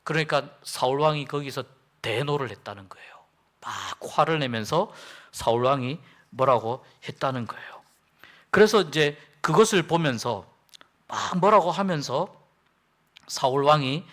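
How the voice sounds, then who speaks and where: A man's voice: fairly high pitch, expressive, moderate pace, a bit bright. A male pastor giving a midweek sermon in church, retelling a Bible story in plain everyday words. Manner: storytelling, explains by retelling and paraphrasing. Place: church worship service.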